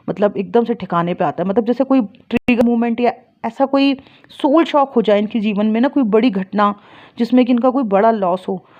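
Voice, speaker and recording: A woman, a spiritual healer and astrologer, giving casual advice and telling stories with rising energy. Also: mid-range voice. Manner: explains plainly, rises into lively storytelling. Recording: dull lo-fi recording.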